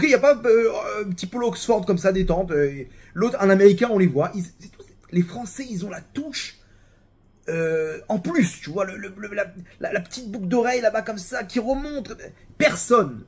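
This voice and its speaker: A man with a French accent gives a casual religious talk, speaking in an animated way with lots of restarts and repeated words. His voice sits high and sounds husky.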